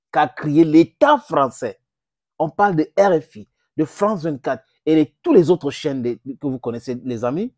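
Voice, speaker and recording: A middle-aged man whose first language is English, giving impassioned direct-to-camera political commentary on a lapel mic, with sudden jumps in pitch for emphasis. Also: a little mellow, no room sound, studio quality. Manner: impassioned, gesturing, addresses viewers as friends, pitch jumps for emphasis. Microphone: clip-on lapel mic.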